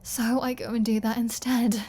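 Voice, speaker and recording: A woman's voice: on the high side, level tone, moderate pace, dark tone, slightly rough. A woman voicing a flirty, sarcastic, defiant female vampire in a scripted ASMR audio roleplay. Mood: snarky, playful. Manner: sarcastic, teasing, playful.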